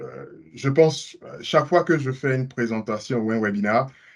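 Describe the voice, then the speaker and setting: The pace is moderate. Little can be heard behind the voice. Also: man. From Ivory Coast, Abidjan. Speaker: finance executive, trainer. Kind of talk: webinar lecture. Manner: halting, many hesitations.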